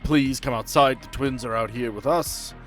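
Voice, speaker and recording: A man playing a stern, angry agent commanding in a crisis, with a slow, clipped, authoritative delivery. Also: medium pitch, fairly bright tone, faint music behind, close to an everyday voice. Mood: grave, urgent.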